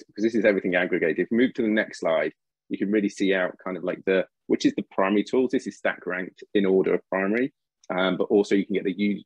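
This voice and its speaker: A low-voiced man with a husky grain moderates a webinar panel over a video call. He talks in a relaxed, conversational way as he moves through slides. The sound is dry and slightly muffled. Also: no room sound.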